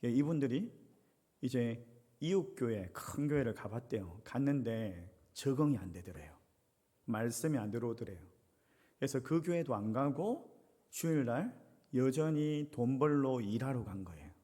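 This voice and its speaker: A middle-aged pastor preaching in a church sanctuary, telling a story and lively in his pitch as he acts out the people in it. His voice is a little husky, and a long hall reverb trails each phrase. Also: moderate pace. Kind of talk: sermon with personal story.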